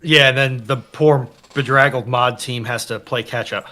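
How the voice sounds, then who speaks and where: A man's voice: medium pitch, steady tone, moderate pace, bright, forceful tone. A man chatting casually as a panellist on a livestream. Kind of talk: casual chat.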